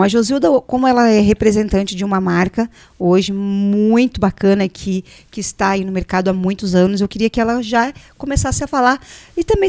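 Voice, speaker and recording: A woman's voice: medium pitch, a little mellow, no echo. Chatty Brazilian woman radio host. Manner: chatty, encouraging, leads the talk. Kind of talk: casual radio talk show chat. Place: radio studio.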